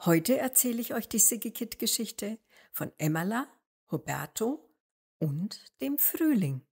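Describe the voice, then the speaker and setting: A woman narrating a story for small children as an expressive storyteller. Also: fairly high pitch, unhurried, gravelly, breathy edge, faint music behind.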